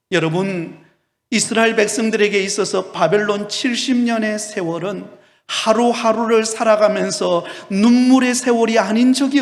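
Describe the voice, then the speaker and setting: A man preaching a sermon as a pastor, addressing his congregation emphatically with rhetorical questions in a church. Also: high voice. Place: church sanctuary during Sunday service. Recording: long reverberation of a large hall.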